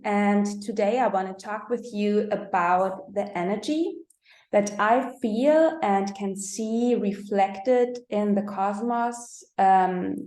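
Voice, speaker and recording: German-accented woman, unhurried spiritual astrology talk, halting delivery, echoey room, mid pitch. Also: a little mellow. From Austria. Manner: slow, halting, searching for words with many fillers.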